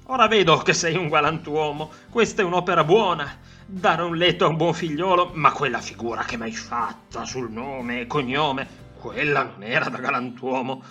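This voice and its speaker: Man voicing a drunk young man, blustering, slurred, high and loud, bright tone. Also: moderate pace, faint music behind. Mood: tipsy boastful.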